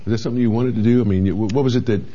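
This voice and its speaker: Low-voiced male interview host. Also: steady tone, warm tone, dull audio. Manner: enthusiastic, quick interjections. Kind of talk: introducing a guest and interviewing.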